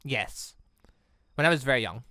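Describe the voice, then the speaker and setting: A man voicing a subdued, apologetic young female hunter from a visual novel in a quiet, halting delivery. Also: mid-range voice, lively intonation, no room sound, studio quality, pitched below the performer's own voice.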